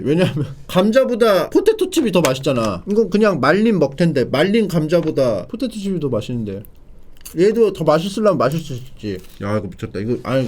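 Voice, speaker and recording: A man's voice: on the high side, a little mellow. A man hosting a casual food-tasting livestream, talking to viewers in an opinionated, playfully argumentative way. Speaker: livestream host reviewing snacks. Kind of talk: casual mukbang livestream chat.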